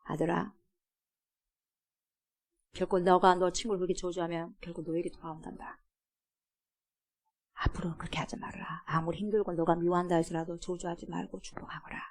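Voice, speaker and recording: Woman doing a wise gentle mom, quiet and low, talking softly to her son. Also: flat delivery, brisk, pauses often. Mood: gentle counsel. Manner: soft, hushed, low.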